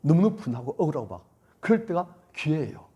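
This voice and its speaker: A male pastor preaching with a husky, slightly high voice that rises and falls in wide swings. He drives his points home by repeating them. His delivery jumps between forceful lines and near-whispers. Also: sing-song, fast. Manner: emphatic and repetitive, swinging between loud and hushed. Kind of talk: sermon at a church retreat.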